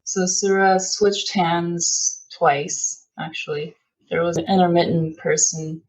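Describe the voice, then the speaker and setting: A woman's voice: fairly low pitch, slow, poor audio. A woman in her thirties, born in Korea, talking casually as a restaurant owner being interviewed. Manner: relaxed, chatty, laughs now and then.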